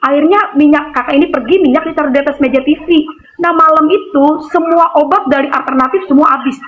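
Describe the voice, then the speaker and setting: A woman's voice: high-pitched, quick pace, a bit bright, low-quality recording. A woman giving a personal testimony over a call, chatty, filling her story with little tag words and acting out the voices of the people in it. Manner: chatty storyteller, acts out quoted voices, many gitu and kan fillers.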